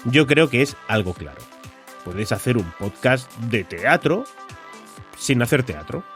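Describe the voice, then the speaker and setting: A man's voice: mid-range voice, big pitch swings, a little slow, a bit bright, soft background music. A man from Spain with a Spanish accent hosts a podcast solo, talking conversationally straight to the listener and posing rhetorical questions. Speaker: podcast host.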